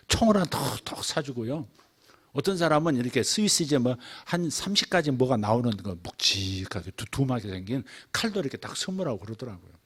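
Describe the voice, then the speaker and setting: A middle-aged man preaching a sermon as pastor, moving between quiet asides and loud, emphatic lines, sometimes acting out a child's prayer. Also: medium pitch.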